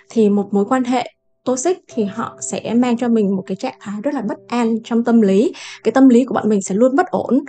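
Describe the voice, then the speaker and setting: A woman's voice: a little high, dark tone. A woman author speaking as a podcast guest, thoughtful and reflective, with many filler sounds. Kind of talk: casual podcast chat.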